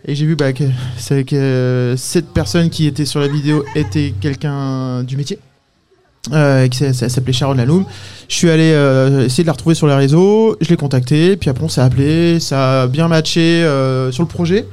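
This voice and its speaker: A man organizing a festival, talking enthusiastically on radio in quick bursts. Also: a little high, steady tone, darkish tone, clean tone. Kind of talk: radio interview.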